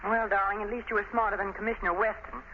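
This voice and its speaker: An actress playing a detective's lively, devoted lady companion in 1930s radio style, brisk, refined and insistent. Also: mid-range voice, natural voice. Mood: fond, insistent. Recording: noisy, dull 1930s radio recording.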